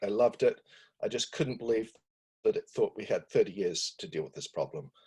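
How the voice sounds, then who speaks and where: A man speaks with a slight English accent. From England. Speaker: municipal election candidate. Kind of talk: campaign speech. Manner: halting, many fillers.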